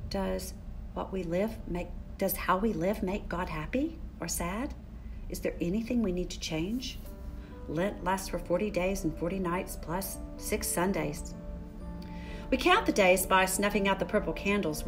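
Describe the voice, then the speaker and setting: Older lady doing kids story time, gentle careful phrasing, music playing behind her. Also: fairly low pitch. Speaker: children's story time host. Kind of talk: children's story time, picture book read-aloud. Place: furnished room in a church building.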